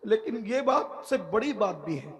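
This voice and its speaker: A man's voice: sits high, big pitch swings, moderate pace. A man preaching a sermon, telling a story with passionate repetition. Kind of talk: religious sermon at a gathering.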